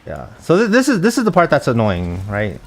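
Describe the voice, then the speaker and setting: A soft-spoken young man chatting casually while live-streaming a game, reading chat aloud and thinking out loud with a gentle voice. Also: mid-range voice, huge pitch swings, a little fast, gravelly.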